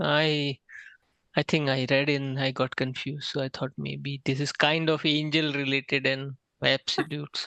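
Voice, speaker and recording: The voice carries an Indian accent at a moderate pace. The background is quiet. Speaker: group participant. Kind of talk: question in group discussion. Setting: video call.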